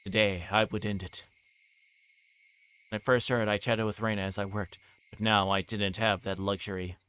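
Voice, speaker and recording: A man's voice: on the low side, level tone, moderate pace, pushed and bright, a little hiss or hum, low-quality recording. A man livestreaming a visual novel, reading the text aloud and sometimes stumbling and correcting himself.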